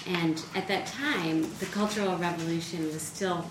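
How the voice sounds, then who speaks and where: Low-voiced woman asking a question off-mic. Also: fairly even intonation, recorded from a distance. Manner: thoughtful, measured questioning. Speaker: audience member asking a question. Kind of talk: seminar question. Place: seminar room. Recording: echoey room, off-mic, noticeable background noise.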